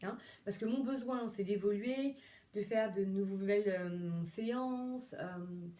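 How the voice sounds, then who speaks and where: Middle-aged woman, therapist explaining things off the cuff, warm mellow tone, lots of hesitations. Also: mid-range voice, slow, slight background noise. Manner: chatty, rambling, many fillers and restarts. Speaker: psychotherapist. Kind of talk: casual monologue.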